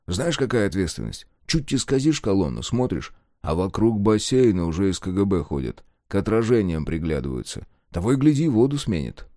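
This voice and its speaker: A man voicing a boastful male mirror reflection who lectures in a low, dry, lively voice. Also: fairly quick, hardly any pauses, no room sound. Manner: swaggering, lecturing. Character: boastful male city reflection, self-important old-timer.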